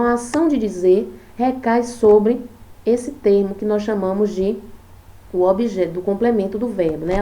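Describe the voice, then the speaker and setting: A woman with a mellow, warm voice teaching a recorded online lesson. She explains patiently and slows down to read example sentences aloud. She is a native Portuguese speaker. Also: mid-range voice. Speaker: Spanish teacher.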